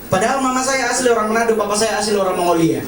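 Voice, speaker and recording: A man's voice: sits high, very fast. A man doing a stand-up set at an open mic, speaking in a confessional way and acting out other people's lines. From Indonesia. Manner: confessional, keeps repeating "honestly", acts out other people's lines. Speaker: stand-up comedian. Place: comedy cafe stage before a laughing audience. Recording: echoey club sound from a distance, loud crowd laughter.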